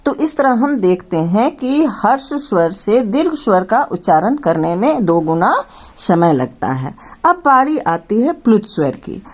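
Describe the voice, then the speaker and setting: A woman's voice: medium pitch, sing-song, measured pace. A woman teaching grammar to children, patiently explaining and drawing out each vowel sound as she names it. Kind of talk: slow classroom explanation to children.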